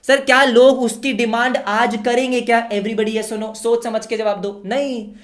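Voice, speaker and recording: A man teaching an online class, lively and full of quick yes-or-no questions for his students, slipping English terms into his speech. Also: extremely high pitch. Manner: energetic, fires rhetorical yes-or-no questions at students.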